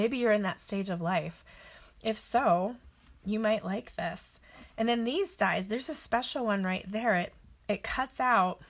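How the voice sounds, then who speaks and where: A woman's voice: medium pitch, a bit bright. A middle-aged woman hosting a casual catalog walk-through, chatty and gushing, thinking aloud as she shows her cards. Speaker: papercraft demonstrator.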